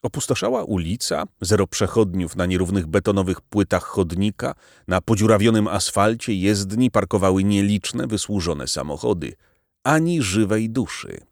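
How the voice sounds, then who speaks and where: A man reading a novel aloud as audiobook narrator, dramatic and expressive. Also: on the low side, moderate pace, no room sound, clean studio sound. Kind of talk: scripted narration.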